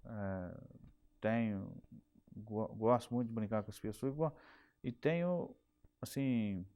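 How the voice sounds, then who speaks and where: Speaking slowly in a voice on the low side, this middle-aged man looks back on his career as a telephone company technician for an oral history interview. The audio is dull, his accent is Minas Gerais Brazilian Portuguese, and he frequently restarts and repeats words.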